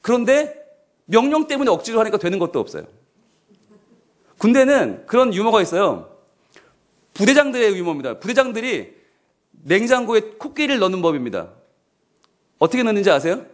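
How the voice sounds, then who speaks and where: A male pastor giving a sermon at a midweek church service, animated and humorous, often asking the congregation questions. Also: high voice, a little fast, pauses often.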